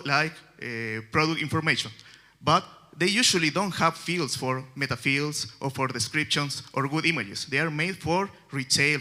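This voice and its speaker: Chilean man presenting at a developer conference, very bright tone, halting English. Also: fairly high pitch. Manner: halting, many fillers and restarts, non-native phrasing. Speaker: conference speaker. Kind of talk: technical conference talk. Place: conference stage.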